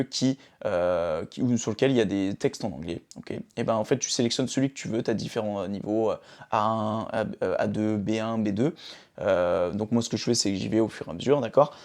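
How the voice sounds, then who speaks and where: A man's voice: on the low side, fairly quick, darkish tone. Casual young man sharing routines. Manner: chatty and informal, often checks in with "d'accord". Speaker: vlogger. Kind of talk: casual self-help talk to camera. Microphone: phone camera.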